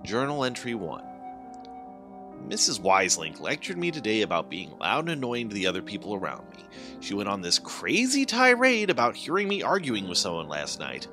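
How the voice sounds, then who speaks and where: A man reading a first-person horror story as a scripted, dramatic narration in an expressive, deliberate way. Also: lowish voice. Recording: background music under the voice. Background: music.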